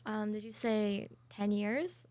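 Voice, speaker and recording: A woman's voice: mid-range voice, fairly even intonation, slow pace, a little mellow, no room sound, clean studio sound. A twenty-two-year-old woman speaking casually on a podcast, hesitant and full of "um" and "like". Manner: casual, hesitant, many fillers.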